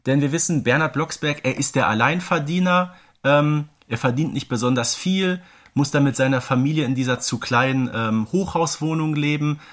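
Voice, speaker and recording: A man's voice: on the high side, moderate pace. A man co-hosting a podcast, chatting informally about an audio drama series. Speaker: podcast co-host.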